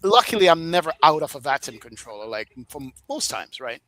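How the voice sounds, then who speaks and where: A man with a Jamaican accent, a flight sim streamer telling a lively story in a casual podcast chat, laughing often. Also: a little high, fairly quick, dry recording.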